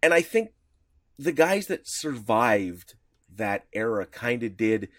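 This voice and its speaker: A man's voice: medium pitch, very animated, takes it slowly, dry recording, clean studio sound. A man co-hosting a podcast, explaining at length in a casual, rambling way with lots of fillers. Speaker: podcast co-host.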